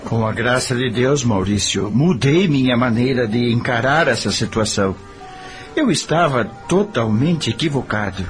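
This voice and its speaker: Casting: man to play earnest, repentant Brazilian husband and father, middle-aged, radio drama, highly varied intonation. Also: lively intonation, normal speed, faint music behind, close to an everyday voice. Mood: earnest, firm.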